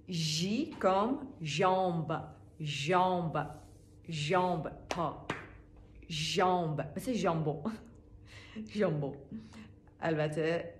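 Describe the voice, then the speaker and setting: A woman teaching a language lesson in a casual way, saying each word slowly and repeating it. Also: sits low, roomy sound, slight background noise. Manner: repeats words slowly and clearly. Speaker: French teacher.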